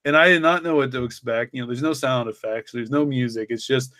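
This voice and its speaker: A man's voice: medium pitch, fairly quick, fairly bright tone, a little hiss or hum. A man talking casually and reflectively, rambling with lots of "like" and "you know". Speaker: podcast co-creator and story author.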